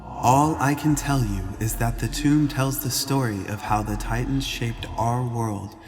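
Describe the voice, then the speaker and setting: A man's voice: mid-range voice, measured pace, faint music behind, close to an everyday voice. Man voicing a formal, programmed female AI avatar. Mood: formal, detached. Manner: formal, precise, programmed delivery. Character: polite, emotionless female avatar of an artificial messenger.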